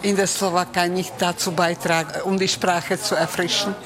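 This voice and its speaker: A woman interviewer putting questions to an author, sometimes halting over her phrasing. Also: lowish voice, steady tone, crowd noise.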